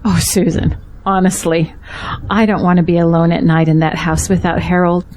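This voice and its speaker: A woman's voice: lowish voice, little pitch movement, moderate pace, darkish tone, natural voice. A woman acting a distressed, grateful pastor's wife in a Christian audio drama. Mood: weary, sincere. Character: distressed, grateful pastor's wife fearing for her jailed husband.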